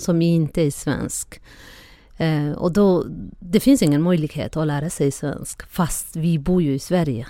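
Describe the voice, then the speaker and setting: A woman speaks at a fairly slow pace with a Somali accent. Her voice is fairly low in pitch, with a dark, mellow tone. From Somalia. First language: Somali (speaking Swedish). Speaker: health scientist and community activist. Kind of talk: interview. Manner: halting.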